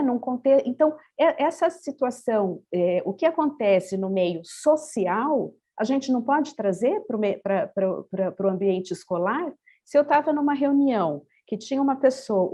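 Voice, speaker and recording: Thoughtful Brazilian woman with mellow voice. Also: fairly high pitch. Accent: Brazilian Portuguese. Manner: thoughtful, many hesitations and restarts. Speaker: panel speaker on bilingual education. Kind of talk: panel discussion answer.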